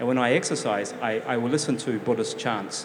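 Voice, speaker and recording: A man with a New Zealand accent talks at a fairly quick pace and medium pitch with ordinary pitch variation, amid noticeable background noise and audible room echo. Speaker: corporate affairs director. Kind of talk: panel discussion. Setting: stage with audience.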